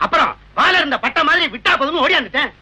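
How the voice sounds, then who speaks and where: A man trading quick jokes in old film comedy dialogue, sometimes breaking into mock chants. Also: very high voice, animated, sharp tone, rough recording. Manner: fast joking banter, mock chanting. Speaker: comic lover posing as fortune teller.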